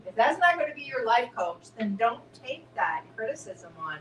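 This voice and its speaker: A woman's voice: on the high side, very animated, normal speed, a bit bright. A woman co-hosting a casual spiritual chat in a reflective, chatty way. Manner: reflective and chatty, often asks "Right?". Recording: roomy, distant mic with faint noise.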